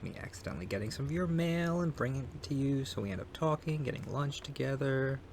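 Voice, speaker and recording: A man's voice: medium pitch, expressive, quick pace, gravelly, darkish tone, slight background noise. A man acting a cute, bashful young neighbor with a crush in an intimate ASMR roleplay, hesitant, sweet and teasing. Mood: bashful, sheepish. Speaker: audio roleplay performer. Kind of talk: intimate ASMR romantic roleplay, soft acted monologue.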